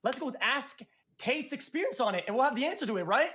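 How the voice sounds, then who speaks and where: A young man streamer argues in quick, excitable bursts that ramble and swear. His voice sits high and bright. He talks at a fast clip. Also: a little hiss or hum. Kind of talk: casual heated debate.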